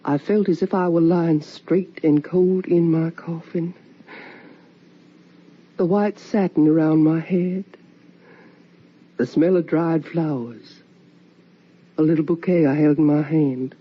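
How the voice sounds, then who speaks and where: Slow, haunted ghost of a mother. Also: sits low, steady tone, husky, heavily acted. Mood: hushed dread. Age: middle-aged. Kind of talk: radio drama monologue. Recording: dull, noisy old-time radio recording.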